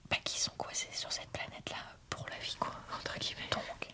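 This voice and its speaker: A woman whispering an ASMR book review in a soft, breathy, informal and slightly hesitant way. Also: brisk.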